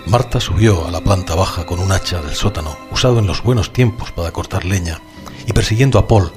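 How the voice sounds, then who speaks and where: A man narrating horror as a radio show host, in a grave, scripted delivery. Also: deep voice.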